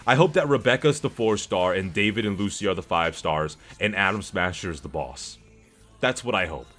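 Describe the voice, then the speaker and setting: A man's voice: low voice, lively intonation, moderate pace, fairly bright tone, faint music behind. A man talking casually as a streamer with his chat about games, in a slangy, rambling, hyped-up way with casual swearing. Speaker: streamer hosting a discussion with chat. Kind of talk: casual livestream commentary on video games.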